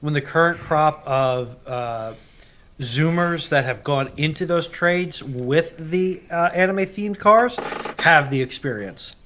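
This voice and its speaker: A man chatting casually as a livestream panellist, joking in a halting, measured way, with clicks on the microphone. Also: medium pitch, a bit bright, a little hiss or hum. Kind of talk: casual chat, joking banter.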